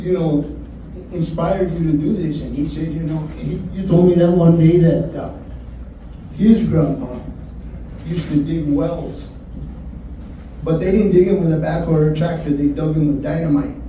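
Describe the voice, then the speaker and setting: A man's fairly high voice at a moderate pace, fairly even in intonation, with long, frequent pauses, audible room echo and noticeable background noise. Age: 60s. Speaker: musician. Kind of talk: casual talk at a symposium panel. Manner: casual, halting.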